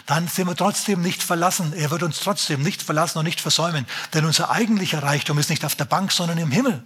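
A man's voice: on the high side, fast, fairly bright tone, slightly rough. A man preaching a sermon as pastor, emphatic and speaking straight to his listeners.

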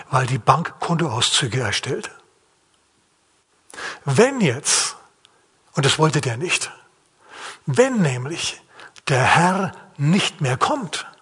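A man's voice: on the high side, a bit bright, husky. A man preaching a sermon in a plain-spoken, questioning way, acting out the quotes. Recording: long hall reverb.

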